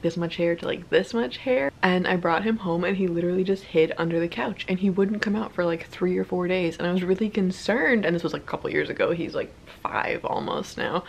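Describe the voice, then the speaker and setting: A woman's voice: on the low side, creaky, slight background noise. A young woman chatting casually to camera in her vlog, giggly and teasing. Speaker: vlogger.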